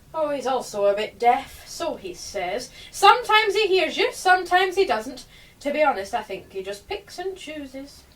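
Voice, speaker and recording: A woman performs a put-on character voice, high and breathy. Her pitch swings very widely and her loudness shifts a lot at a moderate pace. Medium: audio drama. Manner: airy, affectionate, nonsensical.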